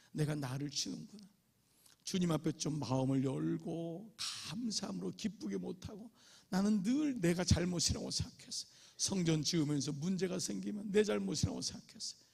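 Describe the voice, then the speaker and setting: A male pastor delivers an emphatic revival sermon in a church sanctuary. His voice sits a little high, with a gravelly, husky edge. He drops into acted quotes now and then. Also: darkish tone.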